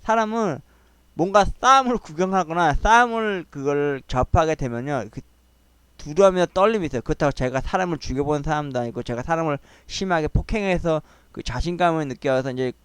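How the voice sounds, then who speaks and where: A man hosting his own channel, telling a family quarrel story in a casual, agitated way and acting out the shouting. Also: on the high side, brisk, clean tone, no echo. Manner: agitated, animated retelling, quoting people in raised voices.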